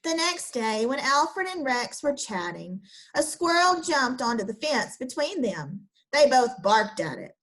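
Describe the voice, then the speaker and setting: Casting: young woman teacher, storybook read-aloud, high lively voice, unhurried. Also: rough recording. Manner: slow, expressive storybook reading with lively pitch. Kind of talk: children's picture book read-aloud and lesson.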